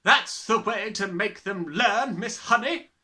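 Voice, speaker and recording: A man voicing a harsh, sneering, bullying middle-aged headmistress in a children's storybook, with snapping, drawn-out emphasis. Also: high voice, sharp tone, voice pushed up, full character voice. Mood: smug, instructive. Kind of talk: dramatised children's storybook reading.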